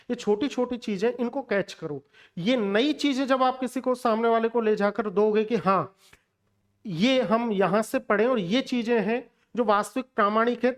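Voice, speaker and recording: Emphatic male Hindi teacher drilling words. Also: high-pitched. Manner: lecturing, addresses viewers directly. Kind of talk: exam-prep pronunciation lesson.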